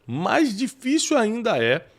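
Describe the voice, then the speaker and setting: Slow and high-voiced, with huge swings in pitch, this podcast host leads a conversation in a preacherly, emphatic style, quoting scripture. He has a Brazilian Portuguese accent.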